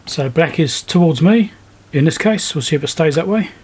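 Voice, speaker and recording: A man giving casual, low-key commentary as he works, thinking aloud step by step like a repair video host. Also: animated, normal speed, darkish tone, a little hiss or hum. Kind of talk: casual hands-on commentary while working. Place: indoor repair workbench.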